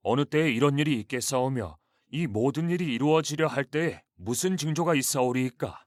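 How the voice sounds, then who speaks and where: A man's voice: mid-range voice, fairly quick, no room sound, clean studio sound, natural voice. A man voicing a respectful scribe and disciples, speaking in a deferential, formal tone.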